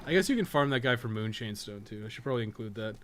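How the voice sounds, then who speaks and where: A man giving casual, rambling live commentary as he plays a game, thinking out loud and swearing freely. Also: mid-range voice, lively intonation, fast talker, a little hiss or hum. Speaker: game streamer and guide maker.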